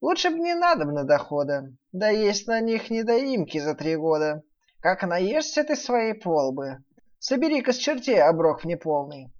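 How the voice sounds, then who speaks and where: Storybook village priest, played by a woman: greedy, drawling, commanding, animated pitch, dull recording. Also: moderate pace, natural voice. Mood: sly, commanding. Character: greedy male village priest giving orders. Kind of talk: dramatised fairy-tale reading.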